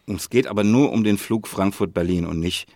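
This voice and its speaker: Low, creaky-voiced man, very dry sound. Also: brisk, a little mellow, no room sound. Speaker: podcast co-host. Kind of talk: casual chat.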